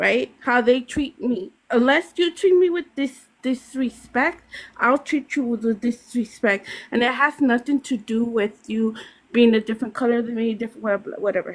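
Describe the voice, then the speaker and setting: Here a woman speaks with a high pitch. Her pace is moderate and her pitch varies in an ordinary way. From Los Angeles, US West Coast. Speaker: live stream participant. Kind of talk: emotional personal testimony. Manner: halting, repeats words.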